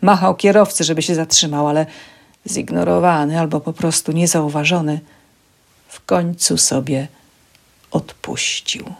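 A woman reading a passage of a novel aloud in measured, steady narration for a library program. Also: low voice, vocal fry. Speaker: audiobook reader for a library program.

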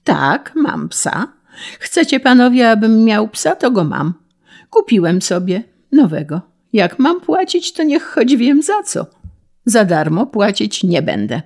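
A harried middle-aged man bursts out in exasperated pleas, as a woman puts him on. The voice is raised and higher than her narration, with a gravelly edge. This is a storybook reading. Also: big pitch swings, slow, darkish tone, full character voice. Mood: defiant. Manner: pleading, exasperated outbursts. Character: harried middle-aged man fighting a dog tax, indignant.

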